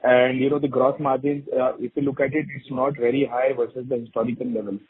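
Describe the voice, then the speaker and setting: Husky man on a narrow phone line. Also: medium pitch, level tone, quick pace, dry recording. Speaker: financial analyst asking questions. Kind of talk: earnings call questioning. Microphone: phone call.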